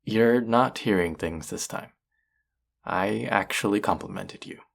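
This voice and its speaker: A man's voice: fairly low pitch, a little slow, gravelly. A man acting a cocky, teasing male chef in an intimate romantic audio roleplay, speaking to his rival and love interest.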